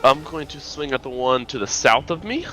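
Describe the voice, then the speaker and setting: A man's voice: mid-range voice, lively intonation, moderate pace, pushed and bright, soft background music, poor audio. A man chatting casually as a player in a tabletop game.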